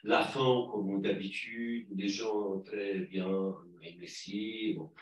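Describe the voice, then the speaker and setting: A man talks slowly and a little low, hesitating often and repeating words. He sounds far from the mic in a roomy space, and the sound is dull. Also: steady tone. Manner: hesitant, halting with many repeats. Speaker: audience member at a lecture. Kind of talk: conference discussion remark.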